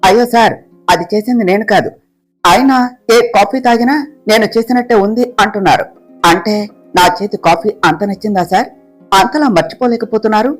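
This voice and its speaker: A woman's voice: medium pitch, fairly quick, faint music behind, close to an everyday voice. A woman doing a cheeky young assistant. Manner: teasing, talks back. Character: cheeky young female office assistant, teasing and bold.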